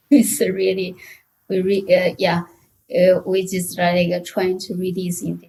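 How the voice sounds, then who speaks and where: A woman with a Chinese accent chatting as a podcast guest in a halting, hesitant way. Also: fairly low pitch, monotone, gravelly, dark tone, a little hiss or hum, low-quality recording. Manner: halting, hesitant, many short restarts. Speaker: podcast guest, technical author. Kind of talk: casual interview chat.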